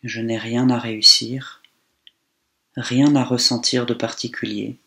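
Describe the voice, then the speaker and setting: A man guides a meditation with a very level, barely varying intonation. His delivery is slow and calm, with long pauses between phrases, and his pitch sits at an ordinary medium height for a man. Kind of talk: guided body scan meditation.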